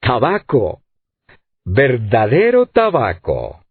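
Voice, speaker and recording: A man voicing a hardy, ardent sailor in an audiobook, with a husky voice and exclamatory speech. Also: medium pitch, sing-song, takes it slowly, no room sound, full character voice. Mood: delighted. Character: hardy middle-aged sailor, ardent and grateful. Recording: dry, tinny phone-like sound.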